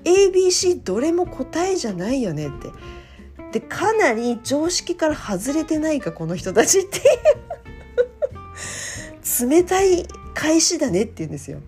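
Chatty woman with a lively pitch. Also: a little fast, faint music behind. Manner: chatty, laughs often, lots of fillers. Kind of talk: casual chat.

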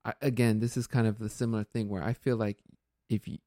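Mellow-voiced earnest male podcast host. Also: on the low side, flat delivery, quick pace, no room sound, clean studio sound. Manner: earnest, thinks aloud with many fillers and restarts. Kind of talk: casual reflective chat.

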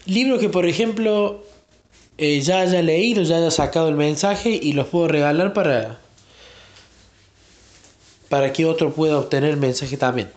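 A man giving an earnest, reflective personal faith testimony, sometimes pausing to search for words. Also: on the high side, a little mellow. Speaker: church member giving testimony.

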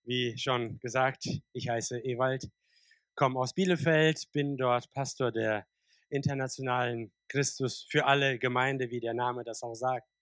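A man's voice: mid-range voice, fairly even intonation, measured pace, fairly bright tone, no room sound. A man in his forties, a pastor born in Kazakhstan, preaching a sermon in a conversational way with frequent fillers and restarts. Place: church service.

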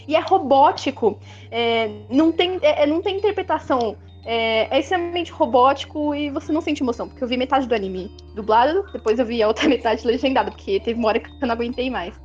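A woman's voice: high voice, animated, quick pace, a little mellow, breathy edge. A woman co-hosting a casual livestream in Brazilian Portuguese, giving firm critical opinions at length. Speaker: co-host. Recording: dull lo-fi stream audio with faint music.

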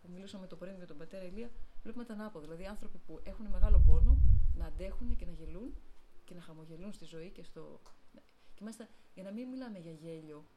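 A woman's voice: lowish voice, noisy background. A middle-aged woman, an abbess, giving a spoken talk on faith through spontaneous personal anecdotes, voicing the people in her stories. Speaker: abbess of a convent, guest speaker.

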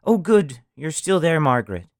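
A man's voice: fairly high pitch, sing-song, moderate pace, darkish tone, no echo, clean studio sound, pitched above the performer's own voice. A man voicing a worried young mother who stammers and frets over a sick child. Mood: flustered. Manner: stammering, tearful.

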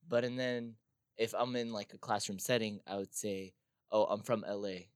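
Young guy from syria, kinda low voice, lots of "i feel like", dry sound. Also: steady tone, moderate pace, smooth, dry recording. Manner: thoughtful, makes his point with hedges like "I feel like". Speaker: podcast guest. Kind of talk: casual podcast chat.

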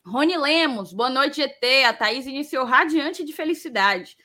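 Bright-voiced Brazilian Northeastern woman with slight lisp. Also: high-pitched, expressive, normal speed. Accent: Brazilian Northeastern, Ceará. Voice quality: slight lisp, tongue-tied s sounds. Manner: informal, repeats phrases for emphasis. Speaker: host. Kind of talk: casual live chat, reading viewer messages.

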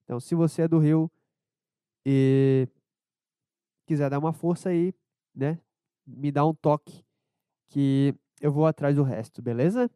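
A hungover man with a southern Brazilian accent hosts a casual solo podcast, sounding dispirited and bunged up with a cold. His voice sits a bit high for a man and is slightly mellow, in a very dry, close sound. He rambles irreverently in a low-energy way. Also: steady tone, measured pace, long pauses, smooth, no echo. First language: Portuguese. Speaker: podcast host and amateur comedian.

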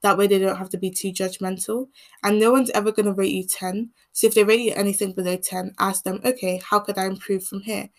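A young woman from England hosting a podcast, speaking in an earnest, measured monologue, with a voice that turns croaky as she keeps talking. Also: medium pitch, fairly even intonation. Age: teens. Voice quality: croaky voice when speaking long. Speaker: podcast host. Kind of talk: reflective solo monologue.

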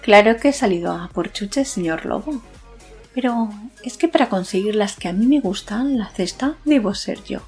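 Woman acting sly suggestive flirt, husky, medium pitch, audio drama. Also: animated, moderate pace, darkish tone. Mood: coy. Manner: coy, suggestive. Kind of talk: audio fiction dialogue. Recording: faint music behind.

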